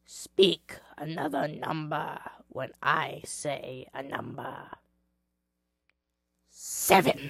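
A put-on character voice, croaky and raspy, at middle pitch and a very slow pace with long, frequent pauses

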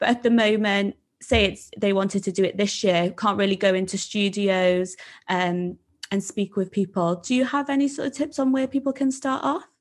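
A woman talks with a Cardiff accent at medium pitch. Her pitch varies in an ordinary way over a quiet background. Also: moderate pace. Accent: Cardiff Welsh English. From Wales. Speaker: podcast host. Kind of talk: casual interview.

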